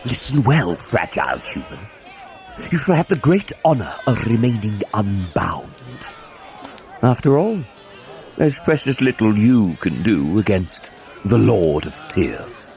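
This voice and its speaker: An actor playing a theatrical dark elf tyrant in an audio drama, mocking and grandiose, drawing out his words. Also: fairly low pitch, big pitch swings, gravelly, faint music behind, exaggerated voice. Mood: haughty, threatening. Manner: mocking, grandiose, drawn-out delivery.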